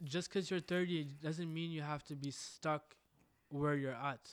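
This man has a normal speaking voice with fairly high pitch, talking at a fairly slow pace with fairly even intonation in a very clean recording with a silent background. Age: 20s. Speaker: podcast host. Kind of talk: casual chat.

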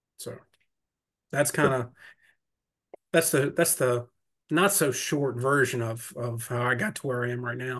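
With long, frequent pauses, a man speaks at a medium pitch and with ordinary pitch variation. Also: fairly slow pace. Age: 40s. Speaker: personal trainer. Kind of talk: casual chat. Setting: video call. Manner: halting.

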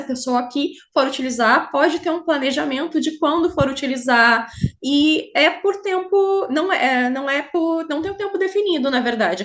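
This woman's voice is high-pitched. Her intonation rises and falls in a lively way. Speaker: public health nurse. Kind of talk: expert explanation in podcast chat.

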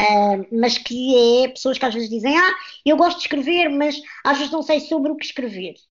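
An animated tone with lively intonation at a moderate pace. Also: woman, high pitch for a woman. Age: 30s. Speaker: motivational speaker and author. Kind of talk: casual chat. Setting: video call.

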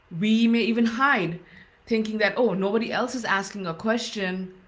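Against noticeable background noise, a woman with a fairly high pitch speaks in fairly even intonation. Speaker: relationship coach and podcast host. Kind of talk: motivational monologue. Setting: partly a replayed Facebook Live video. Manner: warm, gentle.

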